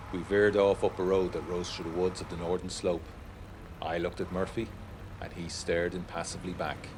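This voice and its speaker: Male narrator, low register, literary and brooding, scripted dramatic storytelling over faint vehicle ambience. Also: noisy background. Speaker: first-person narrator of an audio drama.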